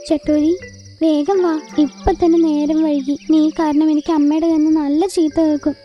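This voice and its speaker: A woman's voice: sits high, flat delivery, moderate pace, muffled recording, soft background music, close to an everyday voice. A woman voicing a naive, fretful young girl bird in a children's cartoon, childlike and earnest. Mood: anxious.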